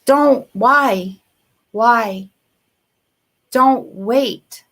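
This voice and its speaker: Higher-voiced woman, theatrical storyteller. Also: extremely slow, a bit bright. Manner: theatrical storyteller who acts out quoted reactions. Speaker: podcast guest, motivational speaker. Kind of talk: animated anecdote and motivational talk.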